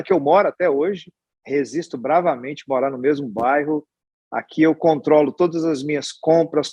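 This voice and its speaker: A hospital executive in his forties from Goiás, Brazil, speaks Brazilian Portuguese with a Goiás accent as a guest in a casual interview, rambling through his life story with many restarts and tag questions. His medium-pitched voice is slightly rough, and the recording is dry and lo-fi.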